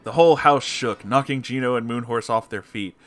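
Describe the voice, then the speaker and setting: Bright, forceful male story reader. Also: medium pitch, brisk, faint music behind. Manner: theatrical, expressive. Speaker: story reader, online host. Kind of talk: dramatic comic horror story narration.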